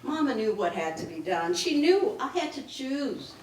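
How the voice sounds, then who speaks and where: A woman's voice: high-pitched, big pitch swings, normal speed, a little hiss or hum. A woman performing a dramatic reading as a defiant, grieving Black daughter of a Southern maid, with biting sarcasm and emphatic delivery. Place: indoor live reading at a public library. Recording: echoey room, picked up from a distance.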